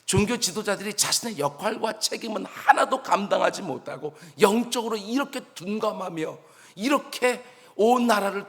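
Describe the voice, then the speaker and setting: High-voiced man preaching in a reverberant hall. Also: a bit bright. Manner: earnest, emphatic preaching. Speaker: pastor. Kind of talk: sermon.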